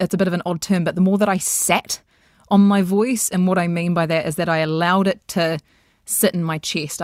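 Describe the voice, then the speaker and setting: A woman guest speaking earnestly in a reflective interview, with frequent restarts and soft trailing phrases. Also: on the low side, no echo, studio quality. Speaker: guest, voice coach.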